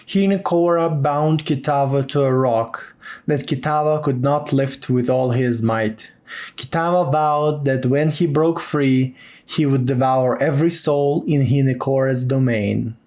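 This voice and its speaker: An actor playing an earnest tribal chronicler in a video game, narrating lore in a measured way. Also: male voice, medium pitch, a little mellow, natural voice. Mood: foreboding.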